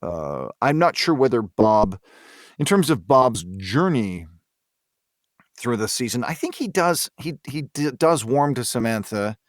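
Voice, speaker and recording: A man speaking as an interview guest, thinking aloud in a halting, reflective way with repeated words. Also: medium pitch, sing-song, dry recording, studio quality. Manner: hesitant, thoughtful, halting delivery with repeated words.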